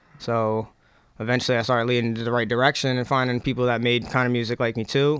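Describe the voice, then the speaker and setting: In a New Jersey accent, a man talks at a very fast pace with monotone, flat intonation, recorded very cleanly against a silent background. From New Jersey (Paterson, later Sussex County). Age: 30s. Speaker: rapper. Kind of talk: casual chat. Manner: laid-back, filler-heavy speech.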